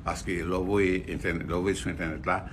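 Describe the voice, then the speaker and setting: A man's voice: sits low, little pitch movement, a little fast, noisy background. A man with a Haitian accent giving rambling news commentary, repeating phrases and using many fillers.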